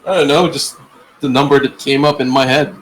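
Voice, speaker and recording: A man's voice: mid-range voice, steady tone, fairly quick, breathy edge, poor audio. A man hosting a podcast in a casual group chat, joking in a crude, exaggerated way. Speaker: podcast host and reader.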